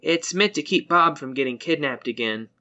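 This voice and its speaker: A woman's voice: low voice, expressive, moderate pace, bright, forceful tone. A woman playing a hesitant, obliging young fellow in a fantasy audio drama, slightly lo-fi. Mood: sheepish.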